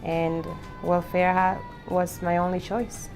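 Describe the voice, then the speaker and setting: A woman's voice: on the low side, little pitch movement, slow, over music. A woman from the Dominican Republic, speaking reflectively with hesitant restarts in a documentary interview.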